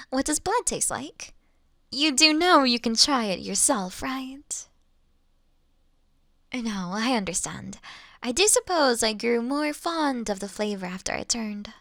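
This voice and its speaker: A kindly, undead vampire lady acted out by a woman speaks in a high voice at a slow pace. She is soothing and courteous with a teasing streak, as in an intimate roleplay audio, recorded close and dry. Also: animated, a bit bright, dry recording, exaggerated voice. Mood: pleased, gentle. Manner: soothing, polite, teasing, unhurried. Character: kind, playful female vampire, gently reassuring, long undead.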